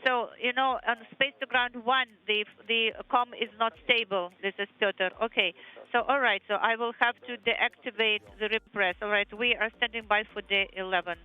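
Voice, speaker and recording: Man, mission control radio communicator, tinny space-to-ground radio line, measured procedural calls, very high voice. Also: fairly even intonation, clean tone. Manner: measured, procedural, repeats call signs. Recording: tinny narrow radio band with faint music.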